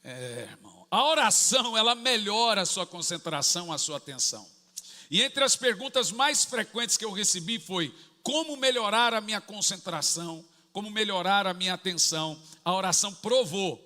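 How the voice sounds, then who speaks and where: A middle-aged man, preaching a sermon full of personal stories, acting out family dialogue and breaking into sudden shouts. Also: high-pitched, moderate pace, in a large hall. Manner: animated, acts out family dialogue, bursts into shouts. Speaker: pastor.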